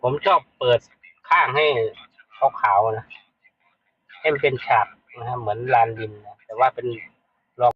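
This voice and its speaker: A man's voice: mid-range voice, a little slow, long pauses, husky, no room sound, lo-fi sound. A man hosting a casual live stream, talking bluntly and chattily to his viewers. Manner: blunt, chatty, addresses viewers as brothers and sisters. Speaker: livestream host. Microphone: streaming setup.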